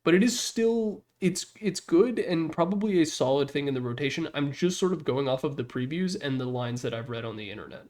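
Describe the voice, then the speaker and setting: A man's voice: fairly high pitch, lively intonation, fairly quick, few pauses, darkish tone. A man giving casual, opinionated commentary in an informal, blunt way, as a gaming content creator.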